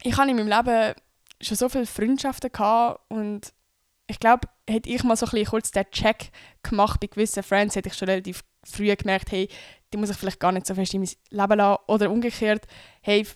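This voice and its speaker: A woman's voice: medium pitch, steady tone, brisk, clear, resonant tone, no room sound. Young swiss woman rambling on her podcast, lots of fillers and english slang, dry close sound. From Switzerland. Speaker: podcast host. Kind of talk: casual podcast monologue.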